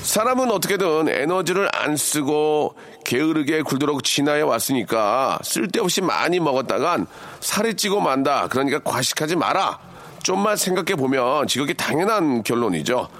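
A man's voice: on the high side, big pitch swings, moderate pace, fairly bright tone. A man hosting a radio show, chatting playfully and straight to listeners while reading out their messages. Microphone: studio microphone.

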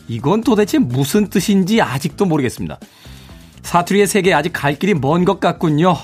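Casting: male radio DJ, chatty and chuckly, voice on the higher side, studio mic. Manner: chatty, chuckling, reads listener texts. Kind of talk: morning radio show patter. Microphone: studio microphone.

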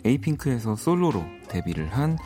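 Male music radio host, medium pitch, very varied intonation, casual interview style. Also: sing-song, a little fast, warm tone. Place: radio studio. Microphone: studio microphone.

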